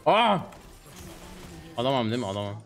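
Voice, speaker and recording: A man in his twenties streaming a game, chatting casually and excitably with slangy, teasing banter. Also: medium pitch, brisk, creaky. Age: 20s. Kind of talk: casual gaming commentary with a teammate. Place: small home streaming room, indoors.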